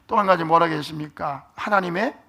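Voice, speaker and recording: A man's voice: fairly high pitch, brisk, creaky, pushed and bright. A middle-aged male pastor preaching a sermon, asking the congregation questions and dropping to near-whispers for emphasis. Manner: asks the congregation questions, calls for amens.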